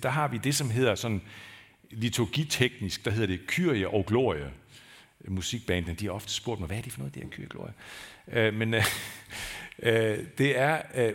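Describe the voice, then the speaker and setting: Low-voiced pastor preaching conversationally. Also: male voice. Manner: conversational, searching for words, rising to emphatic peaks. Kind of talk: sermon. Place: church.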